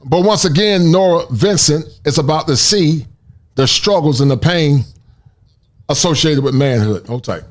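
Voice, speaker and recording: Man, earnest preachy commentary, fairly high voice. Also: normal speed. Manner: earnest and preachy, speaking to men directly. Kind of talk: motivational commentary to the camera.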